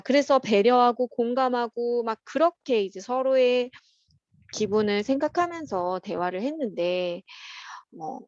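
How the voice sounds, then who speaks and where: A woman teaching at a private academy, patiently walking children through workbook answers in a chatty way, with frequent soft "um" pauses. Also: fairly high pitch, no echo, muffled recording. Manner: patient and chatty, opens steps with "자" and fills pauses with "어".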